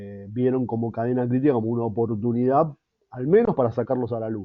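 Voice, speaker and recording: Using a Rioplatense accent, a man speaks at a fairly quick pace and medium pitch with fairly even intonation. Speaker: civil engineer, public works manager. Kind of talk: podcast interview.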